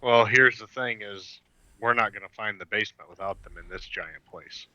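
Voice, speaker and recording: A man's voice: fairly low pitch, moderate pace, bright, forceful tone, dry recording, poor audio. A man playing a tabletop game, speaking directly and reasoning through plans aloud. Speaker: player. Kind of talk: tabletop game play, casual chat.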